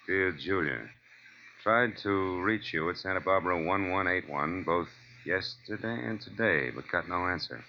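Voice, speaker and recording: An actor playing a hard-boiled, wisecracking American private detective in a 1940s radio drama, wry and clipped. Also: male voice, low-pitched, expressive, normal speed, slight background noise. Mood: reading flatly. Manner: wry, clipped, tough-guy delivery. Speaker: lead actor and narrator. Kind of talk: 1940s radio detective acting, first-person narration. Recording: dull old radio recording with music.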